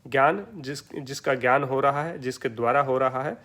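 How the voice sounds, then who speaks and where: A man's voice: mid-range voice, normal speed, fairly bright tone. Hindi-speaking man giving a yoga lecture. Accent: Indian. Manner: asks questions and answers them himself, repeats key terms. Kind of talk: explanatory lecture.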